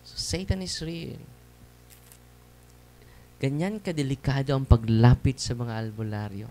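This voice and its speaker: Mellow and medium-pitched, the man's voice carries fairly even intonation at a measured pace, with a little hiss or hum on the recording. As a Catholic priest, he gives a testimony sermon in a conversational style to people seated in a church or hall, regularly turning tag questions back on them.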